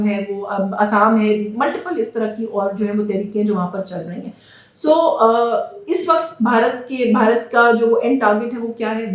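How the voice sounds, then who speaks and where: Noticeable background noise is present throughout. A woman talks with ordinary pitch variation. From Pakistan. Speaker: journalist. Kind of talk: news commentary to camera.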